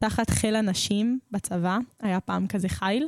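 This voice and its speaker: A woman's medium-pitched voice at a fairly slow pace, dry and close with no echo, in a very clean recording with a silent background. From northern Israel, lived long in Australia. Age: 20s. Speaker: soldier-teacher. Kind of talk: radio interview.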